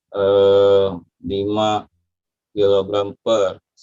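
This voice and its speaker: The man's voice has a dark, mellow tone and a fairly low pitch. The sound is dry and close, with no echo. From Jakarta. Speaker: university lecturer. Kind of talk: online lecture. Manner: relaxed, casual.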